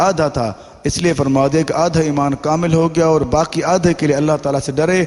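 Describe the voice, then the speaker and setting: A man's voice with fairly even intonation against noticeable background noise. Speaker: Islamic scholar giving a religious sermon. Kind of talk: religious lecture / sermon.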